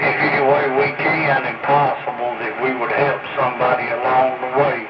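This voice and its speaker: A man at a fairly slow pace over loud background noise. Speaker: preacher. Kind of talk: radio sermon. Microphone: two way radio.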